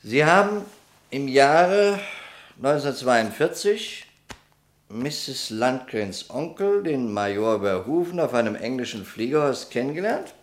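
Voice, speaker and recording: A man's voice: medium pitch, very animated, measured pace. An actor playing a persistent police detective in a German radio crime play, formal and methodical in his questioning. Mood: pressing.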